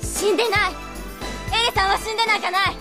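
Young orchard girl played by a woman, very high youthful voice, pleading and earnest, over loud music. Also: steady tone, fast talker. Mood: tearful defiance. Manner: pleading, emotional. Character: anxious young orchard girl, devoted to her late father. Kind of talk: Japanese anime-style radio drama acting.

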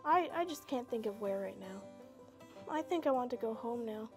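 This is a little lost puppy dog in a children's puppet show, voiced by a woman. The voice sits high, sweet and innocent, with a childlike openness. Soft music plays faintly behind. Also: expressive, moderate pace.

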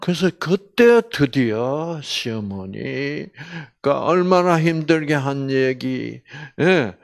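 A man lecturing slowly and deliberately, a doctor giving a faith-based health talk. He keeps firing questions at his audience and acts out quoted lines, sliding from loud bursts down to hushed whispers. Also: medium pitch, expressive, creaky. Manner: quizzes the audience with constant questions; acts out quoted speech and drops to whispers for effect.

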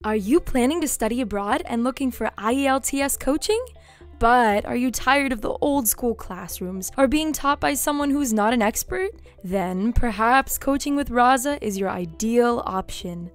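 A woman's voice: fairly high pitch, animated, normal speed, faint music behind. A young adult woman voice actor reading scripted commercial narration.

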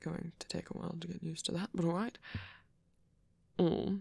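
A man playing a wounded villain in love, teasing and tender, murmuring haltingly in an intimate ASMR roleplay. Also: on the high side, little pitch movement, gravelly, darkish tone, husky, dry recording, exaggerated voice. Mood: weary, playful. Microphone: close mic, dry.

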